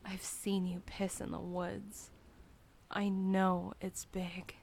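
A young woman whispering softly and breathily in an intimate audio roleplay, with soft sighs between lines. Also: mid-range voice, little pitch movement, slow pace, creaky, a little hiss or hum.

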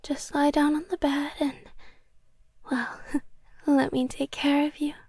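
A woman voicing a sweetly obsessive young cat girl in an ASMR roleplay, whispering softly and intimately. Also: high-pitched, flat delivery, slow pace. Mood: doting whisper. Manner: soft whispering, close and intimate.

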